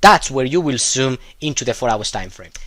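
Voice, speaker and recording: A man is speaking. He has a non-native accent. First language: not English. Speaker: trading educator. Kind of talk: tutorial. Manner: halting, many fillers.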